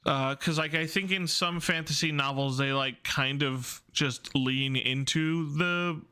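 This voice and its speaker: A man's voice: fairly high pitch, fairly even intonation, a little slow, bright, forceful tone, clear, resonant tone. A man streaming his game development, chatting casually and hesitantly with lots of "like" and "uh". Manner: hesitant, filler-heavy, self-deprecating laughs. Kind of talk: casual live-stream chat.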